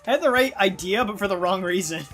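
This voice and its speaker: A woman's voice: medium pitch, animated, fast. A woman giving casual game commentary as she plays, talking in a slangy, offhand way. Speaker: gamer reacting to a game. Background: game music.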